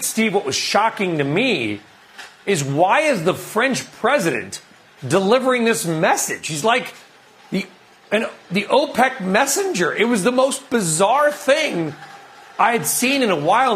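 A man anchoring a live news broadcast, talking with a correspondent in an animated, conversational way. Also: sits high, moderate pace, a little hiss or hum.

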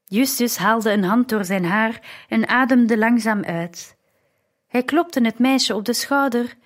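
Slow, measured woman reading a story. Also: fairly high pitch. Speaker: audiobook narrator. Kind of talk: scripted first-person narration.

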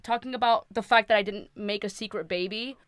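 A woman's voice: medium pitch, fairly quick, clean tone, dry recording, studio quality. A young woman, co-hosting a casual podcast chat, laid-back and swearing freely. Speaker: podcast co-host and content creator.

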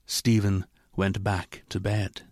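A man narrating a literary ghost story in a measured, formal way. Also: lowish voice, level tone, darkish tone, no room sound, clean studio sound.

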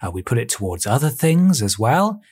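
A man hosting a casual comedy podcast from home, joking with friends, his voice a little hoarse from a cold. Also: medium pitch, normal speed. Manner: animated, joking, sing-song intro reading. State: losing his voice, a bit hoarse. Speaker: podcast host.

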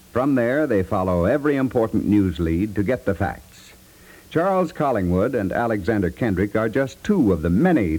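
A man's voice: lowish voice, dark tone, low-quality recording. A man reading a scripted 1950s radio promo as a network announcer, formal and carefully enunciated.

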